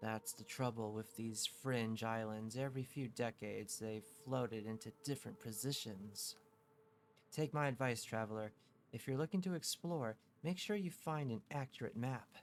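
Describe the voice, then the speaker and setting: A man puts on a character voice with a rumbling sound. His pitch sits in the middle and his pace is moderate. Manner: grumbling.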